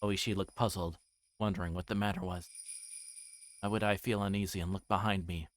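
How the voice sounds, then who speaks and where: Low-voiced man reading aloud, noisy recording. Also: fairly even intonation, a little fast. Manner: stumbles over words and rereads them. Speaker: streamer reading a visual novel aloud. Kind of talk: reading game narration aloud on a livestream. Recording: clearly noisy background.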